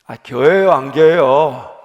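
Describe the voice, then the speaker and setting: A man pastor preaching an earnest sermon in a church sanctuary, slowing down to stress key words. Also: fairly high pitch, dull audio. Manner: earnest preaching, rising with emphasis. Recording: long hall reverb.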